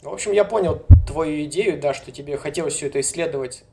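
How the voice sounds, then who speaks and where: A young man from Novosibirsk, a guest in a casual conversation, who talks in a relaxed, hedging way and chuckles often. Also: on the high side, quick pace, vocal fry, background noise. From Novosibirsk, Siberia, Russia.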